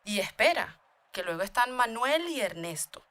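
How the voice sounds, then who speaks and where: A woman's voice: on the high side, very animated, normal speed, fairly bright tone. A woman reading a scripted chatty dialogue for a beginner language lesson.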